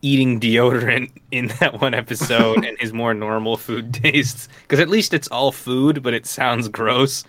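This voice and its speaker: A man co-hosting a casual podcast, chatty and quick to laugh, with plenty of fillers. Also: mid-range voice, fairly even intonation, a bit bright, no echo. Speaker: podcast co-host.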